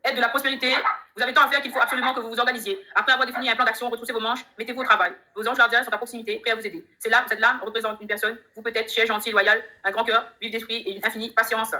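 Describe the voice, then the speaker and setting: On a live stream from her home, a tarot reader talks fast and directly to her viewers as she reads the cards. Her bright, slightly high voice stays chatty and upbeat, with little movement in pitch.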